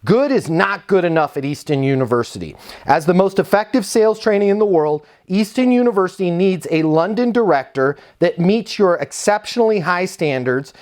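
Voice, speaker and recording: A man who founded a sales training company, giving energetic, emphatic career advice straight to the camera. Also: sits high, moderate pace. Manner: energetic, emphatic, punchy coaching delivery. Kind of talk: direct-to-camera advice video.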